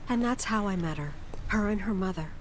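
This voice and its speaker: A tender, wistful foster mother, played by an actress, narrates reflectively in a game cutscene. Her middle-aged voice sits at a medium pitch, with faint noise behind it. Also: animated, brisk, natural voice.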